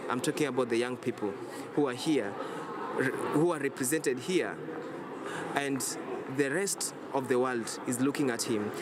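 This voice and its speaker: A young man from Kenya, a student climate activist, speaking earnestly in a street interview. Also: mid-range voice. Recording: loud noise behind, outdoors.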